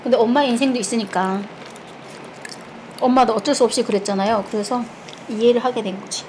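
A woman's voice: on the high side, brisk, a little mellow, a little hiss or hum, low-quality recording. A woman from Korea, chatting candidly while eating and telling stories frankly, with laughter and blunt words. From North Korea. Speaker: mukbang streamer.

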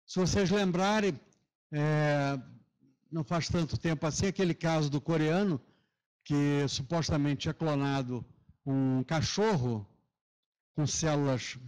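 A man from Rio de Janeiro with a Carioca accent and a hushing sh for s, giving a semi-formal academic lecture in Brazilian Portuguese. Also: on the high side, measured pace, smooth, low-quality recording. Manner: hushing sh sound for s. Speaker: lecturer, professor. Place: lecture auditorium.

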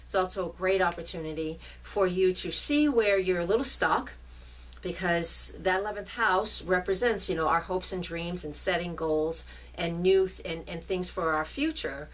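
A woman's voice: on the low side, normal speed. A middle-aged woman with a New England accent, an astrologer giving a casual forecast and often checking in with her listeners. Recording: voice a bit distant from mic.

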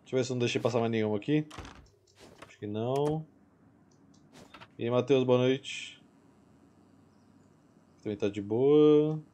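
A man's voice: mid-range voice, moderate pace, pauses often, warm tone, a little hiss or hum. A young man with a Brazilian accent giving casual live commentary as he plays a game. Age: young adult. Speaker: game streamer. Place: indoor room, seated at a computer. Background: game music.

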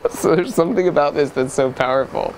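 A man's voice: a little high, fairly quick, background noise. A middle-aged man, visiting a workshop and bantering playfully. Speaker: guest. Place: attic robotics workshop.

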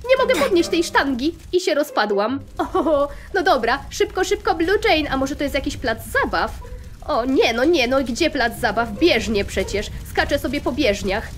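A woman's voice: high-pitched, big pitch swings, moderate pace. A young woman hosting a gaming channel, giving cheerful, bouncy commentary on her game with little rhymes and plenty of exclamations. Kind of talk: playful Roblox gameplay commentary.

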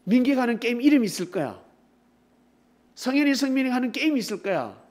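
A man's voice: very high voice, very animated, quick pace. A man preaching to teenagers, retelling a Bible story playfully, calling on kids by name and teasing them with questions. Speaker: youth pastor.

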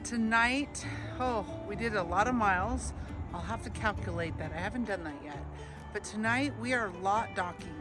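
A woman's voice: medium pitch, normal speed. A woman in her forties, a travel vlogger, chatting casually to a phone held at arm's length outdoors and inside her RV. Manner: chatty, easygoing, talks to her dogs. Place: outdoors in a parking lot, then inside an RV. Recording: background music under the voice.

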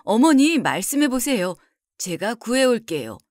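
A woman's voice: mid-range voice, big pitch swings, measured pace, a little mellow, no echo, studio quality. Woman reads a devoted young son, earnest and pleading, storybook. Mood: eager.

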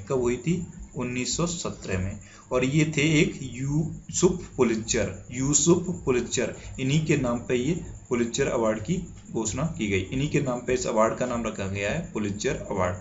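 A man's voice: medium pitch, dull audio, a little hiss or hum. A man from India teaching current affairs for exams, reading out quiz questions and repeating each answer as he asks and answers himself. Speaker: current affairs exam tutor. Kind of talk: spoken quiz lesson.

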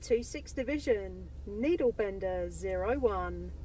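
A woman's voice: mid-range voice, animated, measured pace, heavy background noise. An enthusiastic woman, making radio contact as a CB operator from inside a car. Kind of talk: radio contact chat with call signs.

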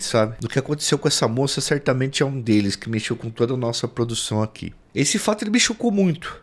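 A man in his thirties hosting an online history channel, speaking earnestly to viewers in a small studio with a close mic. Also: fairly high pitch. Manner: earnest, addresses viewers as "galera". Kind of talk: presenting a YouTube news segment. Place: small indoor studio set. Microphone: podcast mic on stand close in front.

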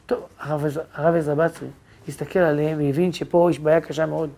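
A rabbi giving a religious lecture, telling family stories in a lively way that brings the people in them to life. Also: male voice, a little high. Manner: animated storyteller who acts out quoted voices.

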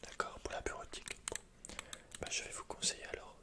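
A young man whispers in a breathy, halting murmur, playing a salesman in an ASMR roleplay. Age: young adult. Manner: hesitant, halting, softly murmured. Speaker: ASMR performer playing a computer shop salesman. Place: indoors, quiet room with dark backdrop.

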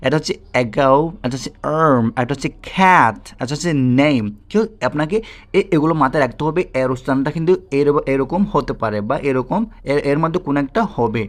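A man's voice: medium pitch, quick pace. Man teaching English pronunciation. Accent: Bangladeshi Bengali. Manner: repetitive, checks in with "ঠিক আছে?"; addresses viewers directly. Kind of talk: spoken English lesson.

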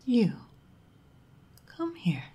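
A woman's voice: fairly high pitch, huge pitch swings, extremely slow, mellow, heavily acted. A woman voicing a powerful mature succubus mother in a sultry, teasing, condescending ASMR role-play. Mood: imperious, seductive. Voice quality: very breathy, husky.

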